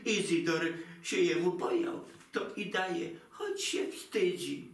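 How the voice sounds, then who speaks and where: A man's voice: high-pitched, slow, vocal fry, exaggerated voice. An actor playing a fretful, theatrical elderly Jewish mother who speaks Polish with a Yiddish inflection, lamenting in a singsong voice. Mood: complaining. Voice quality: singsong lamenting, broken grammar. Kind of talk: comic stage monologue. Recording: roomy, distant mic.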